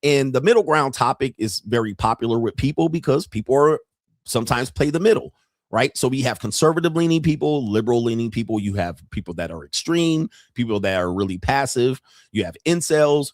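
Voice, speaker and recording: A man's voice: mid-range voice, no room sound, studio quality. A man hosting a casual commentary livestream, joking and rambling in slangy talk. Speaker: podcast host.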